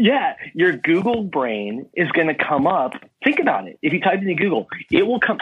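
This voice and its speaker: A man speaks at a high pitch in a Californian accent. His pitch swings very widely. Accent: Californian American. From Southern California. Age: 40s. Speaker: entrepreneur and business coach. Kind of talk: interview.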